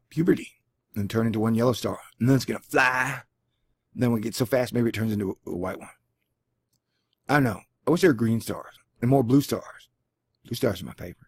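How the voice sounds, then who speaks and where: A man's voice: medium pitch, slightly rough, no room sound. A man with a Texan accent hosting a casual one-take vlog, reading a science article aloud with jokey, self-deprecating asides. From Texas. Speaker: channel host. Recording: dry, close lo-fi home recording.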